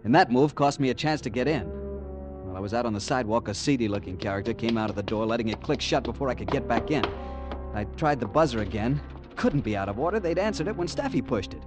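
A man's voice: mid-range voice, lively intonation, fast, over music, close to an everyday voice. An actor playing a young man narrating his growing fear in 1940s radio acting style. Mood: tense. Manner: narrates tensely, growing panicky.

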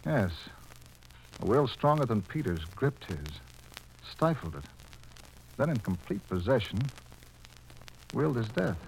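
A man's voice: lowish voice, big pitch swings, measured pace, gravelly, long pauses, heavily acted. A man playing an earnest, unsettled hospital doctor with intense 1940s radio acting on a faintly noisy vintage recording. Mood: earnest, uneasy.

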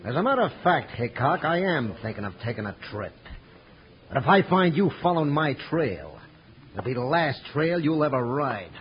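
Menacing, animated outlaw boss. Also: male voice, a little high, moderate pace. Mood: defiant, threatening. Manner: threatening, gruffly defiant. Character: menacing, defiant western outlaw gang boss. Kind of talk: 1950s radio western acting. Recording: dull old radio recording.

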